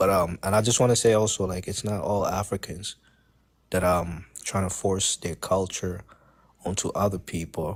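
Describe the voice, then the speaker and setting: A man with a very deep, low pitch speaks at a moderate pace in a flat monotone. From Congo. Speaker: livestream caller. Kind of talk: casual chat. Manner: halting, hesitant with fillers.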